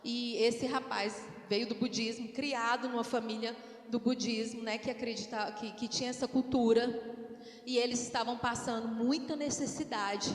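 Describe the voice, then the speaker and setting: A woman with a Brazilian accent preaching a sermon, animated and calling on the congregation to respond. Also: fairly high pitch, moderate pace. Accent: Brazilian Portuguese. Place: church hall. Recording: echoey church hall with long reverb.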